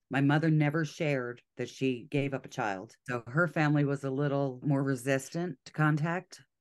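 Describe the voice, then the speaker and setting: A woman with an American accent speaks in a very deep, low pitch with fairly even intonation. Her moderate pace has hardly any pauses, against a quiet background. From New Jersey. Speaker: art teacher and ministry founder. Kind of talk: casual interview with live art tutorial.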